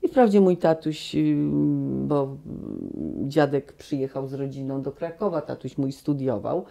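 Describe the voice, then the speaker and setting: A woman in her sixties, a guest actress, recalling her life in a relaxed, animated way full of restarts, in a small cozy room on a lapel mic. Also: extremely low pitch, unhurried, gravelly. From Poland. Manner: animated storytelling with many restarts. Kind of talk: relaxed reminiscing conversation.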